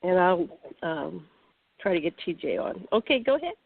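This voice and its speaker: A woman's voice: lowish voice, big pitch swings, normal speed, gravelly, breathy edge, no echo. A woman from the northern United States hosting an online talk show, chatty and encouraging as she asks a guest questions. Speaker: host. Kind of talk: casual interview hosting. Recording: distant, phone-like call audio.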